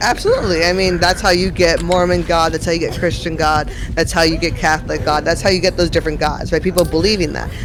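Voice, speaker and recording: Through noticeable background noise, a man talks at a very fast pace in an animated tone with hardly any pauses. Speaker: gamer. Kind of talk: casual chat; heated debate.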